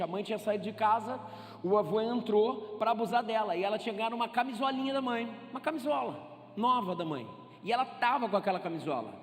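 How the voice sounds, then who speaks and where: A Brazilian pastor preaching a sermon, animated, acting out the voices in his stories. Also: sits high. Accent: Brazilian Portuguese. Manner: animated preaching, acts out dialogue in story. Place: church hall. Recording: echoey hall, faint ambience.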